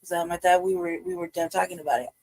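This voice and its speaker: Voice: mid-range voice, steady tone, fast, a little mellow. A livestream host talking casually and hesitantly, with many fillers and restarts. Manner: rambling, hesitant, many ums.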